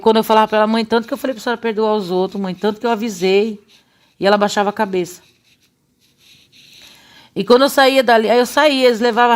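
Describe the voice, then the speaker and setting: Earnest middle-aged woman giving testimony. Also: medium pitch. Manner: earnest, emotional storytelling. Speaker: church member giving testimony. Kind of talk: religious testimony.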